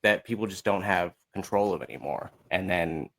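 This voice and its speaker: A man's voice: low voice, normal speed, fairly bright tone. A man in his thirties chatting casually as a guest, rambling and often acting out bits of dialogue. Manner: rambling, often quotes himself and others in dialogue. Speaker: podcast guest, musical writer. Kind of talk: casual chat.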